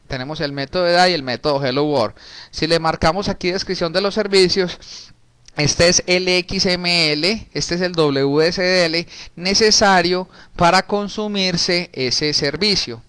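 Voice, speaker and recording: A man's voice: fairly high pitch, normal speed, a bit bright, smooth, dry recording. Casual man teaching code. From Colombia. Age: 30s. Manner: casual, talks while typing, frequent restarts and diminutives. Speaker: programming teacher. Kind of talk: recorded screen-share coding lesson.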